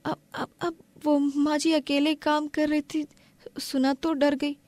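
High-voiced, anxious young Indian bride. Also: female voice, little pitch movement, takes it slowly, darkish tone, no echo. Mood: nervous. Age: young adult. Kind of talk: Hindi animated family drama voice acting.

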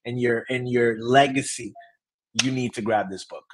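A man's voice: mid-range voice, fairly even intonation, moderate pace, slight background noise, low-quality recording. A man, a guest author, speaking in an upbeat way on a video call. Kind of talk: casual chat on a video call.

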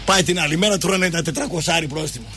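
A man's voice: fairly high pitch, loud music behind the voice. A man hosting a sports show, telling casual anecdotes and acting out the dialogue. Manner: animated, acts out dialogue in quotes.

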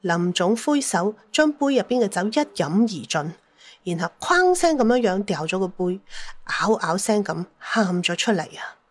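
A woman's voice: medium pitch, sing-song, moderate pace, no room sound. A woman telling a dramatised story as an audiobook narrator, with a Cantonese accent.

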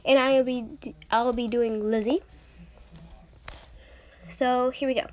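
A woman's voice: on the high side, fairly even intonation, unhurried. A young woman talking casually to viewers of her video as an amateur voice actor. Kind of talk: casual vlog intro and outro.

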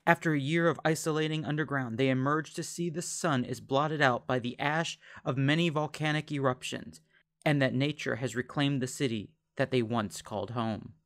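A man's voice: mid-range voice, steady tone, moderate pace, a bit bright. A man hosting a podcast, reading scripted promotional narration. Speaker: podcast host.

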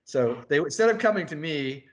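A man's voice: fairly high pitch, lively intonation, a little fast, dull audio, noisy background. A man, a crew chief, chatting casually with his race engineer and telling a rambling story with laughter. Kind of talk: casual chat interview.

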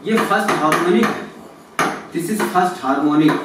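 A man's voice: fairly high pitch, takes it slowly. Man explaining physics in an echoey room. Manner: addresses students as kids, asks and answers his own questions. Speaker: physics teacher. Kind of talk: explaining exam solutions. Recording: echoey room, mic far off, noisy.

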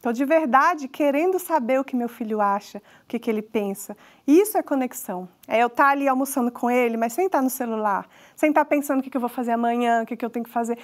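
High-voiced Brazilian woman giving a talk. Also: fast talker, hardly any pauses. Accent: Brazilian Portuguese. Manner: conversational, addresses audience directly. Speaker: parenting talk speaker; mother. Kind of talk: lecture to parents.

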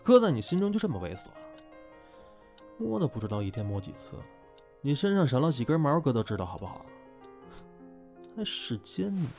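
A man's voice: medium pitch, big pitch swings, a little fast, pauses often, darkish tone, faint music behind. A man playing a laid-back, teasing young man in an audio drama, with sardonic banter. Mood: cheeky. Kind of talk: fan audio drama acting.

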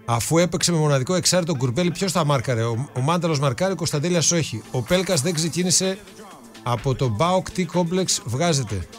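A man's voice: fairly high pitch, animated, soft background music. Man co-hosting sports radio banter. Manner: reads listener messages, asks puzzled questions. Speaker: radio sports show co-host. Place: radio studio.

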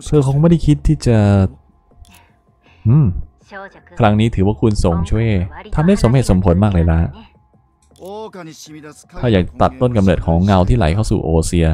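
A man reads game story dialogue aloud and breaks off for casual asides that explain the jokes in slangy terms. His delivery swings widely in pitch, and his voice has a mellow, darker tone. The sound is dry and close, with faint game music underneath. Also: animated, moderate pace, long pauses. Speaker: gaming channel host.

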